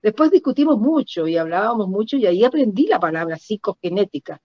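An older woman with a Chilean accent recounts personal stories reflectively in an interview, halting and repeating words for emphasis over a video call. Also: mid-range voice, big pitch swings, no room sound. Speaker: guest performance artist. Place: indoor room at home. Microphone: computer mic on a video call. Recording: dull lo-fi video call audio.

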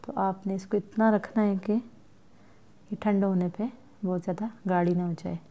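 A woman cooking in her home kitchen, calmly explaining each step of a recipe to her viewers as she stirs at the stove. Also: mid-range voice, unhurried. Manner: calm, instructive, addresses viewers directly. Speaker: cooking vlogger.

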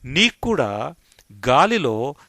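A man voicing a cheerful, generous young eaglet in a bright, raised storyteller voice. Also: medium pitch, sing-song, slow, no room sound, clean studio sound, voice pushed up, full character voice.

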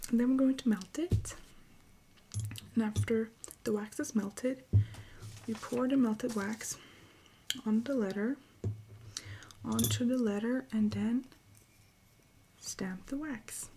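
A woman playing a friendly, patient Christmas elf helper in an ASMR roleplay, speaking softly and breathily, often in a whisper. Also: fairly high pitch, a little hiss or hum. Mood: calm, instructive. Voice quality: soft, breathy, frequently whispering. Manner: gentle, encouraging, unhurried. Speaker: ASMR performer.

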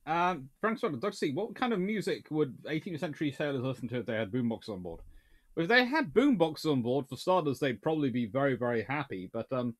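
A man's voice: mid-range voice, a little fast. A man in his thirties hosting a casual livestream from his home study, reading out viewer comments and rambling through answers with restarts. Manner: rambling, animated, with many restarts and fillers. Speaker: naval history livestream host. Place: small home study with shelves of books.

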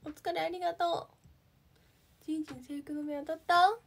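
A woman's voice: very high voice, steady tone, a little fast, gravelly, noisy background. A young woman from Japan, a livestreaming idol, chatting casually and thanking viewers as she reads their comments.

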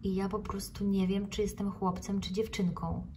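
Brief: timid small snail child, quiet and hesitant, voiced by a woman storyteller. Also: medium pitch, fairly even intonation, a little slow, distant mic, noisy background, pitched above the performer's own voice, close to an everyday voice. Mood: shy. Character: shy timid little snail boy.

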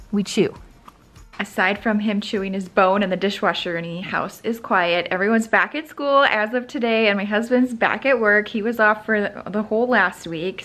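A woman's voice: medium pitch, fairly bright tone. A woman in her thirties chatting casually in a family vlog, talkative and emotional, often close to tears. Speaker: family vlogger.

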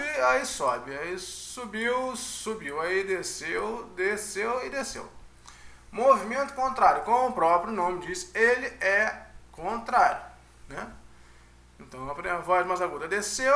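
This music teacher, a man with a Brazilian Portuguese accent, has a high, sharp voice with a reverberant sound. His lecture is casual and chatty, and he often checks in with listeners using "né?" and "tá?".

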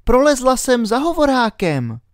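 A high, bright child's voice full of pluck, a curious and brave little girl voiced by a man reading a storybook aloud. Her calls leap up sharply in pitch. The recording is close and dry. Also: wildly swooping pitch, no room sound, heavily acted. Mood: cautious.

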